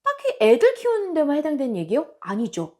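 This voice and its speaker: This self-improvement channel host has a high voice and talks a little fast. Chatting casually with her viewers, she stays animated and expressive, performing the quotes she brings up.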